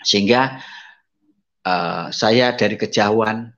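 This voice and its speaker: A blind man gives an emotional personal testimony, addressing listeners as brothers and sisters, dropping to soft asides and raising his pitch to act out the people he quotes. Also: slow. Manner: acts out quoted voices with raised pitch. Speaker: testimony speaker. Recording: slightly dull lo-fi audio.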